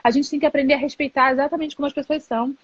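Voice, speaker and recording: A high-voiced woman in her thirties shares her thoughts as a mother on a live stream, reflective and open, often closing with "né". The sound is dry and dull, like lo-fi stream audio over a video call. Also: fairly even intonation, very fast, no echo. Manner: reflective, candid, many filler "né". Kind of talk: casual conversation on a live stream.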